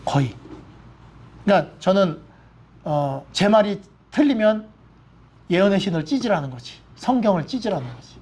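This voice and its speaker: A man's voice: sits high, expressive, moderate pace, long pauses, a little mellow, slightly rough. A male pastor preaching a sermon in a church, blunt and plain-spoken, mixing jokes into stern points. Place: church sanctuary.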